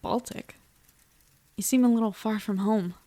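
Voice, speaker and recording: A woman's voice: mid-range voice, steady tone, measured pace, mellow, close to an everyday voice. Woman as a defiant, blunt young captive. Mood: alarmed, wary. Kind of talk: audio drama acting.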